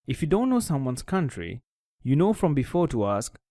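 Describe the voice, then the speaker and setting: Male tutor, scripted voice-over, lively intonation, methodical delivery, dry close mic. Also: mid-range voice, normal speed, dry recording. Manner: clear, methodical explaining. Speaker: language teacher.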